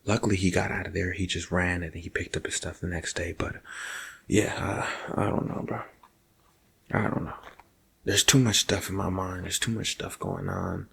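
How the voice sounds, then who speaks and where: A man playing a nervous night security guard in an ASMR roleplay, talking casually and haltingly to his partner and slipping into whispers. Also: sits low, level tone, vocal fry, a bit bright, husky, exaggerated voice. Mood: uneasy, confiding.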